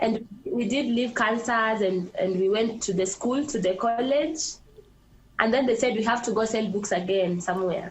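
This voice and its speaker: A woman with a Kenyan accent at a moderate pace, with ordinary pitch variation, very even loudness and noticeable background noise. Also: fairly high pitch for a woman. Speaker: migrant telling her life story. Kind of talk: interview testimony.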